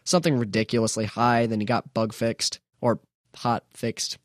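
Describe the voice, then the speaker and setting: A young man talks alone on his podcast in a loose, chatty way, circling back and restarting his sentences. He pokes fun at himself. His voice sits at an ordinary pitch and is recorded dry and close, with no room sound. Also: little pitch movement, moderate pace, no echo. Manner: chatty, self-mocking, rambling with restarts. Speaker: podcast host. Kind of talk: casual solo podcast talk.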